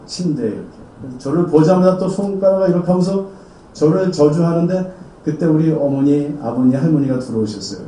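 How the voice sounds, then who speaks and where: A man's voice: a little high, mellow. Dramatic male pastor in a roomy hall. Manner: dramatic storytelling, acting out quoted voices. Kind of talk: sermon testimony. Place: church hall. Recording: roomy, distant sound with faint ambience.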